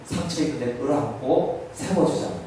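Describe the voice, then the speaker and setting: A man's voice: medium pitch, expressive, a little fast, mellow, a little hiss or hum. A man preaching a sermon to a congregation in a church hall. He often asks the listeners questions and acts out Jesus's words as quotes. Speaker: pastor. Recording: very echoey room, voice heard from a distance.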